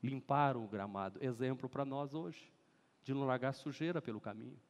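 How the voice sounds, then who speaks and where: A Brazilian man preaching a lively sermon as pastor, acting out scenes and leading the congregation to read aloud together. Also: mid-range voice, brisk. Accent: Brazilian Portuguese. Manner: animated, acts out scenes and leads congregation in shouting. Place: large church hall. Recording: long church hall reverb.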